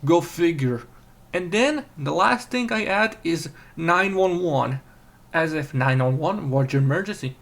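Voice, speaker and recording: A man with a Serbian accent and a gravelly edge in his voice, talking in a casual chat as host. He gets crude and excitable as he rants, and his pitch climbs when he gets worked up. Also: measured pace. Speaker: channel host.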